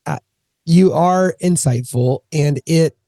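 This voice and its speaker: Man, podcast host, slightly sick voice, mellow, dry, chatty. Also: on the high side, slow, no room sound. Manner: chatty, with frequent fillers and jokes. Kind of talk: conversational podcast hosting. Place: podcast studio in Memphis.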